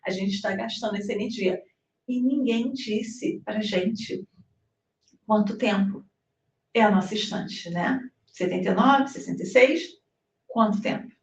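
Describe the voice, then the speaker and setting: A woman from Brazil, giving an animated spiritist devotional talk. She often ends phrases with a questioning tag and acts out little dialogues. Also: medium pitch, measured pace, lo-fi sound, slight background noise. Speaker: spiritist speaker. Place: hall in New Jersey. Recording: roomy, mic at a distance.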